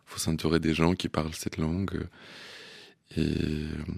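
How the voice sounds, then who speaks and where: Hesitant man, very deep voice. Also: little pitch movement, measured pace, vocal fry, husky, dry recording, clean studio sound. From Ukraine. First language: Russian and Ukrainian. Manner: hesitant, many fillers and restarts, laughs softly. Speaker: interview guest. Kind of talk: radio interview.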